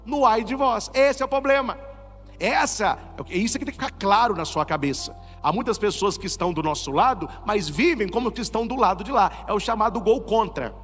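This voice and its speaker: A man with a Brazilian Portuguese accent, a Catholic priest preaching a sermon, animated and full of rhetorical questions. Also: high voice, fairly quick, big-room sound, faint music behind.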